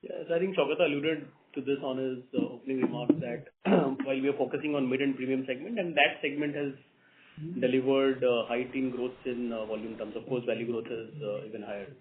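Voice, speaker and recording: A man's voice: medium pitch, fairly even intonation, fairly quick, slight background noise. A man, a company executive answering an analyst's question on an earnings call. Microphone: conference call line. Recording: tinny narrow phone-line sound.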